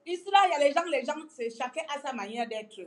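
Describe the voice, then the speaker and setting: Gabonese woman, slightly high voice, mocking, lively home vlog rant. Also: fast talker. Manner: mocking, animated, breaks into song. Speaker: vlogger. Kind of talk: casual political rant.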